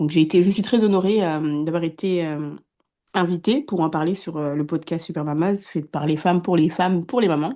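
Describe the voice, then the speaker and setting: Against a quiet background, a woman talks at a moderate pace. Her tone is dark and mellow, her pitch fairly low. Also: ordinary pitch variation. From France. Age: 20s. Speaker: teacher and activist. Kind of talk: interview testimony. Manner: halting, many fillers.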